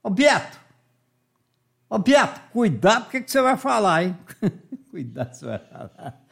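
A man's voice: high-pitched, sing-song, normal speed, vocal fry, a bit bright, slightly rough. A man from hosting a playful morning radio show, joking and teasing callers and friends. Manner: jokey, teasing, laughing a lot. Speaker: radio host.

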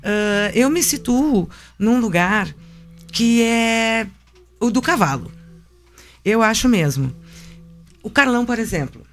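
A woman's voice: fairly high pitch, animated, slow, pauses often. Woman, puppeteer guest, reflective and searching in her speech. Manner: thoughtful, searching for words. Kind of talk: reflective interview talk.

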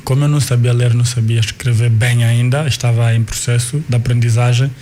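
A man in his forties with an Angolan Portuguese accent whose first language is Kikongo. He is a guest recalling his life in an unhurried, searching way, often restarting and repeating words. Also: medium pitch, fairly even intonation, mellow, slight background noise. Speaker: guest, artist and cultural manager. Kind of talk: reflective life-story telling.

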